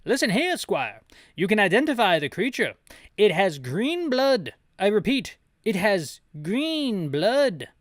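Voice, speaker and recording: A man acts out an officious military operator from a video game. The voice is pitched up high and declaims every order pompously, with a dry, close sound. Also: big pitch swings, takes it slowly, no room sound, exaggerated voice.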